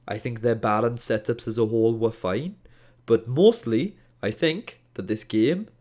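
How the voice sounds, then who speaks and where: A man's voice: fairly low pitch, mellow. A man with a Welsh accent, tinged with Scottish, casually reviewing a match as an esports caster, exasperated and jokey with slangy asides. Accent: Welsh, with a hint of Scottish. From Wales. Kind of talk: casual game review commentary.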